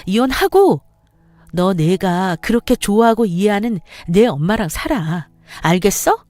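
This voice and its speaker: A woman's voice: medium pitch, lively intonation, unhurried, darkish tone, no room sound, soft background music, lightly acted. A woman voicing a fed-up young wife who argues back in a heated, raised voice. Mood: angry. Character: fed-up young wife, sharp-tongued and defiant.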